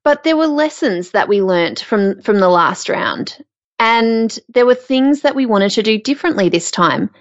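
A woman's voice: a little high, expressive, moderate pace, no room sound, muffled recording. A woman co-hosting a podcast, with a frog in her throat, reflecting aloud with fillers. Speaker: podcast co-host. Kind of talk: casual podcast chat.

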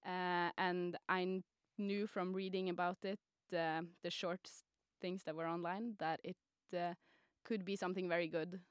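A woman's voice: on the low side, level tone, normal speed, smooth, dry recording, studio quality. A twenty-year-old woman from Norway, a student guest on a podcast, chatty and prone to restarting words. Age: 20s. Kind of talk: casual podcast interview.

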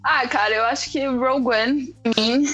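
A woman's voice: high voice, fairly even intonation, normal speed, dull audio, very noisy. A woman with a Brazilian Portuguese accent, talking casually about film as a podcast panelist.

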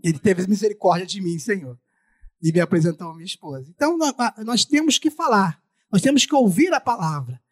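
A man with a very high voice preaches in Brazilian Portuguese, slightly muffled by a face mask. Expressive and a little fast, he repeats phrases to drive them home and acts out dialogue.

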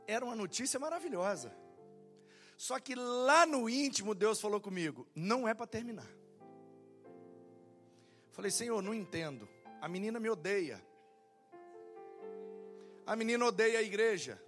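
Pastor guy, high voice, acts out convos in his sermon, soft music under. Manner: animated, acts out dialogue in quotes. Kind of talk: sermon storytelling.

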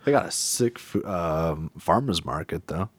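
A man chatting casually as a podcast co-host, enthusiastic and quick to laugh. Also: low-pitched, lively intonation, slightly rough, no room sound. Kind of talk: casual chat.

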